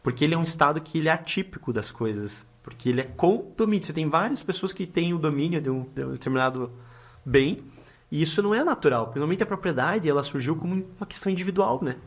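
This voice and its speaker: A man's voice: on the high side, lively intonation, fast. A middle-aged man with a Brazilian accent, a lawyer hosting a casual podcast interview, talking chattily with lots of filler tags and restarts.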